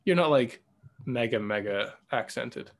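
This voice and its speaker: A man's voice: medium pitch, lively intonation, a little slow, creaky. A man from Canada with a mild Canadian accent, co-hosting a podcast in playful, rambling, teasing banter. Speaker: podcast co-host. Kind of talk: casual banter.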